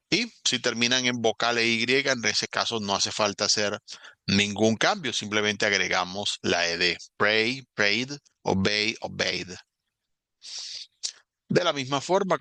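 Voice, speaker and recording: A man's voice: lowish voice, bright, forceful tone, dry recording. A man, an English teacher explaining grammar in a recorded online lesson, patiently and step by step.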